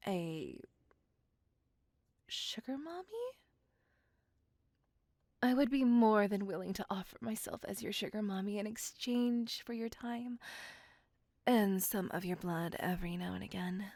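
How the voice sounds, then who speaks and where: A woman voicing a possessive, courtly, ancient female vampire in a slow, intimate, whispered ASMR roleplay with formal old-fashioned speech. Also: mid-range voice, darkish tone, no room sound, clean studio sound. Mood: coaxing. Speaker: voice actor. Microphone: close ASMR microphone.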